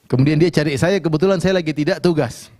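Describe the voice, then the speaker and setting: Male preacher, storytelling, dark mellow voice, animated delivery. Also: a little high, quick pace. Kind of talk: storytelling religious talk.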